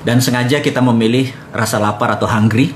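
A man's voice: mid-range voice, fast, a little hiss or hum. A man hosting a live talk, telling stories in a conversational way and speaking directly to his audience. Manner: conversational storyteller addressing the audience; animated when reenacting dialogue. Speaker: host of a live economics talk. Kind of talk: live motivational talk with storytelling.

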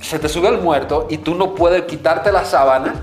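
A slangy, Caribbean-born man co-hosts a podcast, telling stories in a casual chat and acting out his own shouts in an animated way. His voice is fairly high-pitched at a normal speed, recorded in an echoey room with faint music.

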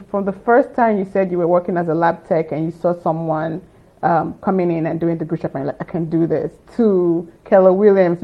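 Woman interviewer on a tinny line. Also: lowish voice. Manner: thoughtful, searching for words. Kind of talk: interview questions.

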